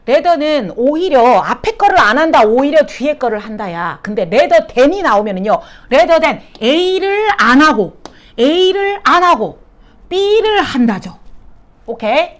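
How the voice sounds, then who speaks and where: A woman's voice: high voice, very animated, measured pace. A woman teaching English exam questions. She keeps asking her students questions and then answers them herself, and she drops English phrases into her explanations.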